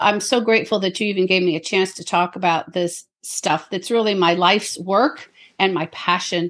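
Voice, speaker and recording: A woman uses a raspy put-on character voice at a medium pitch with fairly even intonation. She talks at a moderate pace with hardly any pauses. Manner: passionate, earnest; fast talking.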